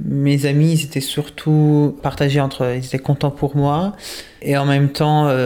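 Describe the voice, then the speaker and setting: A man speaks at a fairly slow pace in a flat monotone. His tone is dark and mellow. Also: fairly high pitch for a man. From Italy. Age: 20s. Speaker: seminarian in vocational discernment year. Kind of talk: interview testimony. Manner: halting, with frequent repetitions and hesitations.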